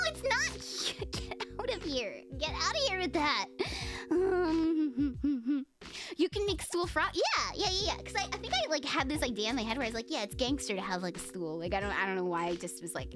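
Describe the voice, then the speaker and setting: Giggly young female streamer, high animated voice, music behind, casual rambling chat. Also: moderate pace. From United States. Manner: giggly, rambling, many fillers and restarts. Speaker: VTuber streamer. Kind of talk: casual livestream chat reading comments.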